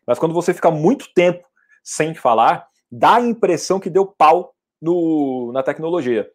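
Male oratory trainer, casual Q&A teaching, emphatic with loud bursts. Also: on the high side, normal speed. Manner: lively and emphatic, with sudden loud outbursts. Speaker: public speaking and NLP trainer. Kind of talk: casual teaching, answering audience questions.

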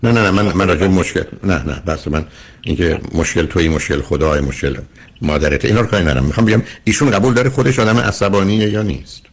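A husky-voiced older man hosts a radio counseling show, giving a caller earnest advice in a lecturing tone. His voice sits low.

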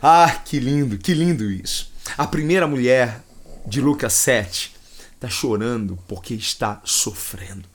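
Man, Brazilian accent, preacher, livestreamed sermon, fervent, repeats phrases, voice swells with emotion. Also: lowish voice. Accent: Brazilian Portuguese.

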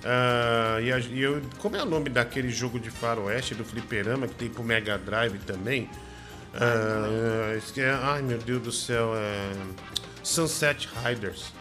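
A man's voice: medium pitch, a little slow, music in the background. A man hosting a comedy show, chatting in a profane, teasing way. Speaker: show host. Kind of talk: crude comedy live show chat.

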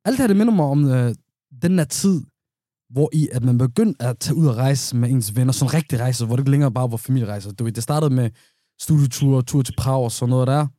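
A man's voice: mid-range voice, dark tone, dry recording, clean studio sound. A young man co-hosting a casual chat in a playful, teasing way.

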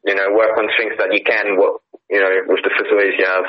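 Shy teen guy chatting about his training, lots of ums, lowish voice, dull phone-ish sound. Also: little pitch movement, fast talker. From Australia. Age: young adult. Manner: soft-spoken, hesitant, many ums and yeahs. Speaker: tennis player guest. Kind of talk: casual interview chat. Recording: lo-fi phone-like call audio.

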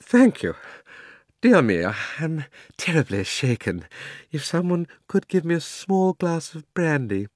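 A man voicing a shaken, feeble old gentleman with a faint voice in a storybook reading. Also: on the high side, very animated, unhurried, no room sound, clean studio sound, pitched above the performer's own voice. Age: older. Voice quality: faint, shaky.

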